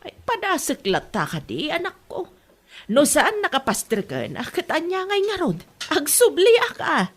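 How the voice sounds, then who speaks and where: Woman playing a gentle, stubborn mother with an Ilocano accent. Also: high-pitched, wildly swooping pitch, normal speed. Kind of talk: scripted drama acting.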